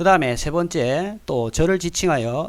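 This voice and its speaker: Very wide pitch swings mark this man's speech at a moderate pace. The recording is very clean, with a silent background. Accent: strong Gyeongsang. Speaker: anti-cult commentator, YouTuber. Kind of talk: video commentary rebuttal. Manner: halting, many fillers.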